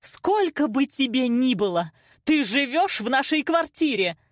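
Woman acting a shrill, hysterical scolding mother. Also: expressive, normal speed, no echo, studio quality. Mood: angry scolding. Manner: loud, dramatic, accusing. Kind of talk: audiobook character acting.

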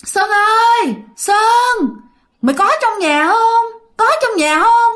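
A woman voicing an eerie ghostly figure in white who calls out a name again and again, in a high, drawn-out voice. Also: animated, a bit bright, heavily acted. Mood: eerie calling. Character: eerie ghostly caller in white, calling out at night.

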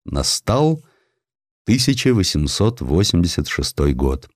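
A man reading historical sketches as an audiobook narrator, in an expressive, deliberate, dramatic storytelling style. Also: low-pitched, no echo, clean studio sound.

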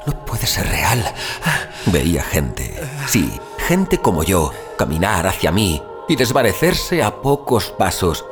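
In dramatic first-person audio fiction, a man narrates as a troubled wanderer on a strange journey, recounting a haunting dream in a bewildered, eerie mood. His fairly low, exaggerated voice has very animated intonation, and he is theatrical and suspenseful with deliberate dramatic pauses over prominent music.

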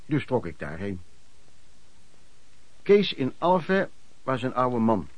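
A man's voice: medium pitch, very animated, slow pace, no echo. An actor playing a former traveling merchant recounting his lodging-house years in colloquial radio drama narration. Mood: reminiscing.

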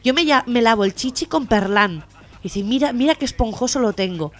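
A woman co-hosting a local radio comedy show with a Catalan Spanish accent, telling jokes with lively acted-out voices. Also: a little high, fairly quick. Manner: lively joke-telling, acting out the lines of the joke characters. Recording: radio show with faint music behind.

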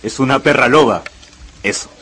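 A man playing a rough, amused Native American man who is bossy with animals, in a radio drama. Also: medium pitch, moderate pace, fairly bright tone. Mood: explaining. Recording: light music under the voice.

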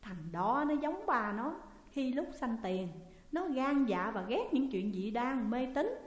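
A woman voicing a frightened, sharp-tongued middle-aged lady of the house in a story. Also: fairly high pitch, big pitch swings, slow pace. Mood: tense, curt. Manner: tense, raised and curt. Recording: long echoey reverb.

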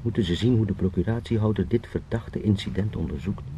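A man's voice: on the low side, a little fast, dark tone, natural voice. An actor in a radio drama playing a resentful, dreading young salesman turned beetle, in a bitter inner monologue. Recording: clear background noise.

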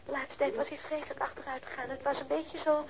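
A recently widowed wife with a high voice, in a radio drama. She is subdued, polite and a little hesitant as she explains. The sound is dull and narrow. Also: little pitch movement, quick pace, creaky. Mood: wistful. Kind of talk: radio play acting, dialogue. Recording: dull band-limited radio drama audio.

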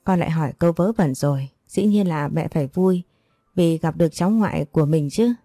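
Elderly mother read by a female narrator: calm, soothing, low and mellow, storybook reading. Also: brisk, dry recording, studio quality. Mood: reassuring. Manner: soothing, reassuring.

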